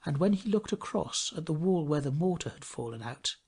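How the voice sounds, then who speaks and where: Male fairy-tale narrator: expressive, measured scripted read, very varied intonation, slightly breathy-husky tone. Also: a little high. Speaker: storyteller.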